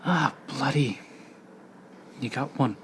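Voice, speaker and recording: A man's voice: mid-range voice, slow pace, a bit bright, a little hiss or hum. A man voicing a brash, wary woman ship owner in a tabletop game, blunt, colloquial and sardonic.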